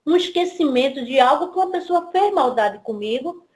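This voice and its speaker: Lively high-voiced woman giving a spiritist talk. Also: moderate pace. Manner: storytelling, voicing father and daughter in quotes. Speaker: spiritist lecturer. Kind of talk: devotional talk with a parable.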